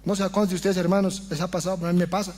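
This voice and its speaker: A pastor preaches with passion in his church, his voice pitched unusually high for a man. He keeps turning to his listeners as brothers, swinging between urgent pleading and quiet earnest explanation. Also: flat delivery, very fast. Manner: impassioned preaching, often addressing the congregation as brothers. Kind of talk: sermon.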